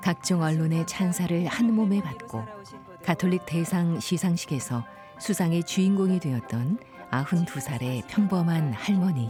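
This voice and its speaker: A woman speaks fairly slowly in a fairly low voice with lively intonation. Music plays in the background. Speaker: documentary narrator. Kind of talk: documentary narration.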